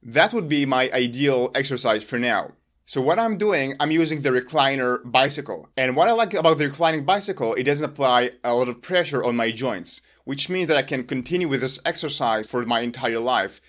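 A man whose first language is Hebrew, earnestly explaining his own exercise routine to the camera in a deliberate, emphatic way. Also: mid-range voice, a bit bright. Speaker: longevity vlogger.

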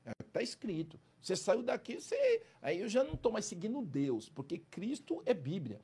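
A man's voice: high-pitched, wildly swooping pitch, normal speed, dark tone, slightly rough. A man, a former criminal, telling his story in a casual interview, emphatic and streetwise, constantly checking in with his listener. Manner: emphatic, streetwise, keeps adding "entendeu?" and "cara". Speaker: interview guest, former criminal turned prison speaker.

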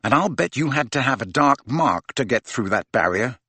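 A man's voice: medium pitch, animated, moderate pace, pushed and bright, slightly rough, dry recording, heavily acted. A man voicing an angry, driven teenage boy wizard with an intense, pressing manner. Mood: savage, bitter.

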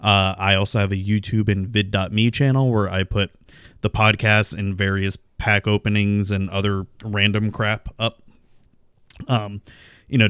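A man's voice: on the low side, a bit bright, smooth, dry recording, studio quality. A man hosting a casual solo podcast, rambling through plugs and game talk with lots of ums. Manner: rambling, filler-heavy, self-deprecating. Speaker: podcast host.

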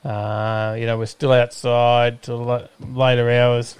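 A man's voice: mid-range voice, little pitch movement, takes it slowly, clean tone, no echo. An Australian man hosting a live stream in casual, rambling chat, hesitating often as he goes. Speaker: host of a live-streamed show.

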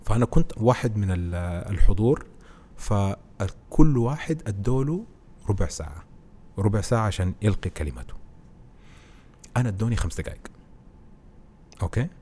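A man, a podcast guest who explains presenting skills through animated stories in casual conversation. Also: on the low side, a little fast, long pauses, slight background noise. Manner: animated storytelling, explains with anecdotes.

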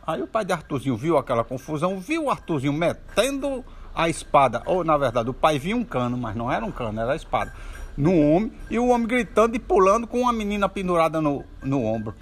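Male storyteller, expressive, somewhat high voice, oral folk-tale style. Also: fast talker. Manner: animated, with sound effects and asides.

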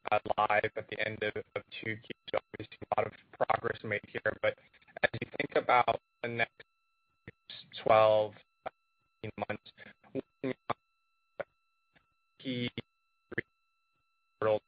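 A man asking an analyst's question on a conference call, heard over a phone line that keeps breaking up, speaking haltingly with fillers and restarts. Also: lowish voice, level tone, dry recording. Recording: dry, muffled phone-line sound.

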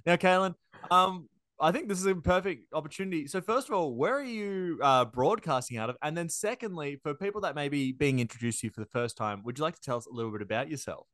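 A man's voice: fairly high pitch, expressive, fast talker, fairly bright tone, no room sound. A man hosting a podcast, friendly and enthusiastic, with the odd filler. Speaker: podcast host.

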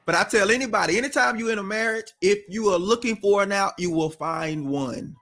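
A man with a fairly high voice co-hosts a relaxed talk show. He reads out comments in a conversational tone and pushes people to answer his questions. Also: fairly quick. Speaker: podcast co-host. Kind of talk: casual chat, reading viewer comments.

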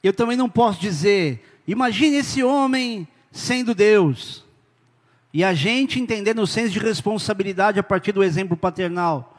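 A man's voice: sits high, in a large hall. A man preaching an informal sermon in a conversational way, talking directly to his listeners.

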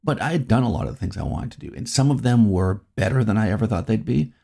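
Animated and fast, this middle-aged New England podcast host speaks in a lowish, creaky voice that is warm and slightly rough. He reflects on his own, rambling and returning to earlier thoughts.

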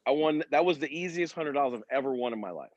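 A man's voice: a little high, animated, fast, no room sound, highs cut off. A man in a casual sports panel chat, telling stories and explaining his points emphatically with frequent check-ins to his listeners. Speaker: former sprinter and decathlete on a sports talk panel.

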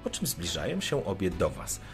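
A man's voice: low voice, wildly swooping pitch, moderate pace, over music. A man running a tabletop role-playing game as game master, narrating with lots of hesitant fillers.

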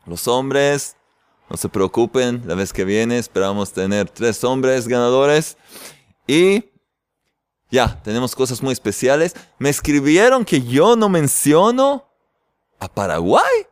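A man's voice: mid-range voice, smooth, dry recording. A man hosting an online faith workshop, teaching in a playful, joking way and greeting his viewers. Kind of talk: jokey faith lesson to an online audience.

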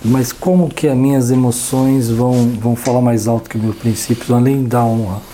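Brazilian pastor-host, very dark tone, short replies, faint noise behind. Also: male voice, mid-range voice, steady tone, moderate pace. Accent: Brazilian Portuguese. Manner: brief agreeing replies. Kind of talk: casual interview.

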